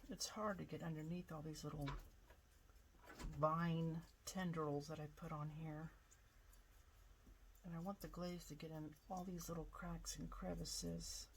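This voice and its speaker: A woman pottery artist talks through her work in a casual demonstration, relaxed and chatty, often pausing to think aloud. Her voice sits fairly low. A faint hiss of noise runs under her voice in the studio. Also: rough recording.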